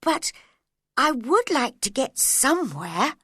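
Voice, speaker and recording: A polite, curious young girl in a storybook, played by a woman reader. Her voice lifts into questions with lively swings of pitch, slow and bright. The recording is dry and close. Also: slightly rough, no echo, full character voice.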